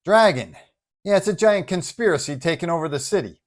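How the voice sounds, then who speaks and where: A man's voice: high voice, lively intonation, brisk, pitched above the performer's own voice. A man voicing a wounded, wearily sarcastic male superhero in an audio storybook, wry and matter-of-fact.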